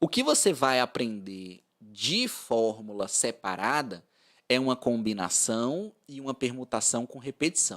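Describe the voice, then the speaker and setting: At a fairly slow pace, a man with a medium pitch uses lively intonation, his loudness rising and falling in big swings. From Bahia, Brazil (Vitória da Conquista). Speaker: math teacher for exam prep. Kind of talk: live online class. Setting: live stream with chat. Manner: animated.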